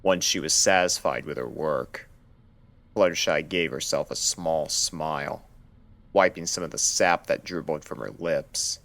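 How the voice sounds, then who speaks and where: A man narrating a scripted horror story in a measured, dramatic storytelling manner. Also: a bass voice, creaky, fairly bright tone. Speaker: narrator of fan fiction readings.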